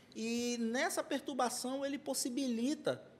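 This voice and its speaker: A man with a Pará accent. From Brazil, Pará. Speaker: meteorologist. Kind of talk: casual interview chat. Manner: halting, many fillers and repeats.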